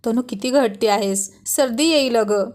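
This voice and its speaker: A woman's voice: on the high side, moderate pace, a little mellow, lightly acted. A woman reading a storybook voices a teasing, protective young husband in an affectionate manner.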